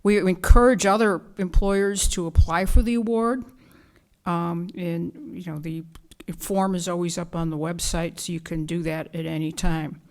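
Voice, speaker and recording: Woman w a lowish voice giving earnest remarks at a council meeting. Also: fairly even intonation, normal speed. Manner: earnest, with fillers and restarts. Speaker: commissioner presenting an award. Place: council chamber.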